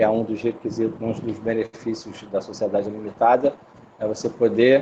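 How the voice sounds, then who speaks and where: A man is speaking. His tone is dark and mellow. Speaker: law lecturer. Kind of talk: lecture.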